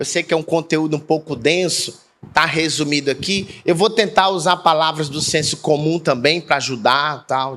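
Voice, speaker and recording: A man's fairly high voice has a bright, sharp tone and ordinary pitch variation. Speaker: pastor. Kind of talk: sermon. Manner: slow, repetitive.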